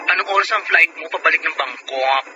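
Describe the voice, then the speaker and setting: Man acting a campy, high-voiced Filipino gay friend. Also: fairly quick, dull audio, lightly acted. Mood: excited, fond. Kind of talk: Filipino radio drama acting. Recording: loud music under the voice.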